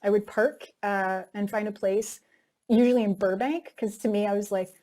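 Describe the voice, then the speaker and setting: A woman speaks in an interview at a middle pitch, neither high nor low. She tells her story in a candid, reflective way, with plenty of casual "like" and "you know" along the way. The talk is unscripted and personal. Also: steady tone, normal speed, dark tone. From North America. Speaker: actress interviewee.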